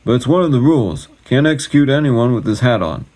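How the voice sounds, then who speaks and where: A man plays a cheerful, easygoing storybook executioner with a slightly raised, amiable voice. He sounds relaxed and kindly rather than menacing. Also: medium pitch, a little fast, pitched above the performer's own voice, close to an everyday voice. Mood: friendly. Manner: easygoing, good-natured. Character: pleasant friendly male executioner.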